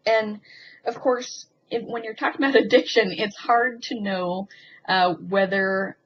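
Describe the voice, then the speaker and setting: A woman talking in a casual, rambling confessional vlog, hesitant and halting as she thinks aloud with frequent ums. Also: medium pitch, fairly even intonation. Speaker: video blogger. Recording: muffled lo-fi sound with faint background noise.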